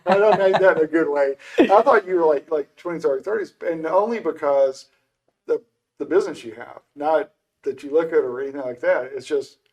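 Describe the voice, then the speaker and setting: A man's voice: on the high side, brisk, darkish tone. An older man hosting an interview show, chatty and rambling, often restarting his questions. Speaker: show host. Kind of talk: casual interview conversation.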